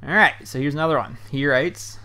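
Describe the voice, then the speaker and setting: Fast-talking young man rambling at home. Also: a little high, bright, forceful tone, smooth. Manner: loose and chatty, heavy on fillers like um and you know. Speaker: YouTube host answering viewer questions. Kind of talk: casual rambling commentary. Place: his hot bedroom at home.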